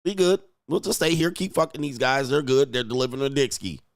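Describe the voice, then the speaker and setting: Posing as a dating coach, a man reacts to clips in a brash, mocking way, swearing and punching words with sudden emphatic swells. His medium-pitched voice is brisk and creaky, with lively intonation. The provocative commentary is recorded at studio quality with no echo.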